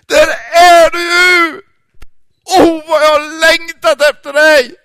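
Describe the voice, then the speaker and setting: A man voicing a distraught father who sobs and shouts with relief. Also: very high-pitched, level tone, no room sound, pitched above the performer's own voice, exaggerated voice. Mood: tearful relief. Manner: crying, shouting, overwrought.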